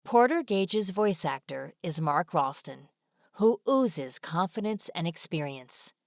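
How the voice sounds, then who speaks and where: A woman's voice: lowish voice, expressive, slow pace, gravelly, dry recording, clean studio sound. A woman reading scripted narration for an online video as a voice-over. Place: close, dry voice-over recording.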